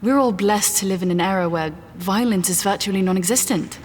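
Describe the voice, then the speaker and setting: A woman's voice: mid-range voice, fairly quick, a little hiss or hum, close to an everyday voice. An actress playing a poised, idealistic woman scientist who is gracious in public, in an audio drama. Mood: composed, earnest. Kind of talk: audio fiction acting. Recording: loud music bed behind the voice.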